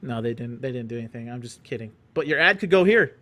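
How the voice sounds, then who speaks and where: An esports caster hosts a stream, reading out results and chatting in a rambling, joking way with many restarts. His medium-pitched voice is expressive and sharp, at a quick pace.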